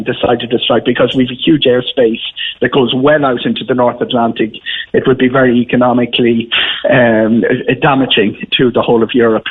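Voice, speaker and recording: An Irish man giving off-the-cuff expert analysis as a radio guest, explaining in a halting way and repeating words as he goes. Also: medium pitch, breathy edge. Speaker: travel commentator, radio guest. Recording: muffled phone-like line on radio.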